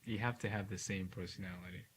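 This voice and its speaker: A man from Cameroon, a neurosurgeon, talking calmly and often checking in with "right?" as a guest. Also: low voice, slight background noise. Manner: calm, measured, ends points with "right?". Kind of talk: casual interview talk.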